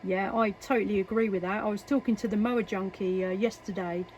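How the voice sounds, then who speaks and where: A woman's voice: medium pitch, steady tone, fast. A woman with an English accent chatting casually as a CB radio operator, in a hesitant, chatty way. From England. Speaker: CB radio operator and video maker. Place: workshop at home. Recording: noisy, radio static and hiss.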